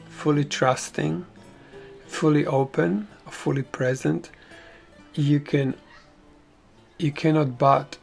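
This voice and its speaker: Slow, gravelly Slovak-accented man. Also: medium pitch, darkish tone. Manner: slow, searching for words, drops to whispers. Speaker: spiritual teacher. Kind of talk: slow spiritual talk.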